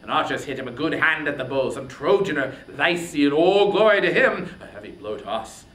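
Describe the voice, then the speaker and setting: A man's voice: lively intonation, moderate pace. A man voicing an anguished, wrathful warrior king in a declamatory, impassioned reading of epic poetry. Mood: urgent command. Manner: impassioned, declamatory, swinging from shouts to breathy whispers. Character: anguished, wrathful warrior king grieving over wounded brother. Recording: roomy, echoing, faint background rumble.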